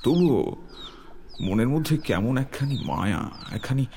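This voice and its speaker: A man narrating a scripted horror tale in the first person, with measured, literary storytelling. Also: medium pitch, very animated, gravelly, dark tone, a little hiss or hum.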